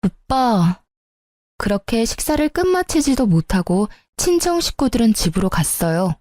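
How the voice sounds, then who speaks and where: A woman's voice: fairly high pitch, sing-song, normal speed, a little mellow, no room sound, clean studio sound. A woman narrating a first-person story for story radio, telling it with indignation.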